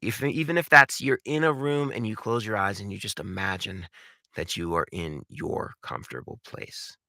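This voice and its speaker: A man's voice: lowish voice, moderate pace, vocal fry, pushed and bright, no room sound, clean studio sound. A man giving an instructional talk as a voice acting coach, emphatic and theatrical, repeating key words, with informal conversational asides. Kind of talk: instructional talk with numbered tips.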